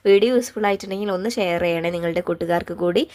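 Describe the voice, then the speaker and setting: Woman teacher for a children's lesson video, gentle, coaxing, full of questions. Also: on the low side, quick pace. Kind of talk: primary school lesson for young children.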